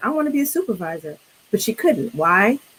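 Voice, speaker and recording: Somewhat breathy speech races along at a very fast pace with very wide pitch swings. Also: woman. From New York, Brooklyn. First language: non-English family language. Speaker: podcast guest, film discussion. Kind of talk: casual film discussion. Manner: halting, many fillers and restarts.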